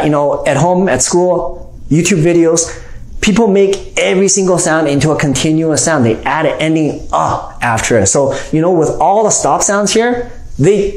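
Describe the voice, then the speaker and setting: This phonics lesson comes from a male reading teacher in his forties, whose voice runs higher than usual and carries a darkish tone. He explains things carefully and keeps checking in with "okay?". The lapel mic picks up the echo of the small indoor room.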